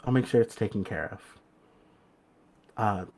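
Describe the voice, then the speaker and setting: A man's voice: fairly low pitch, a little slow, vocal fry, darkish tone. A man voicing a kindly young woman who guides the departed in a tabletop game, speaking hesitantly and reassuringly. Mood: kind, casual.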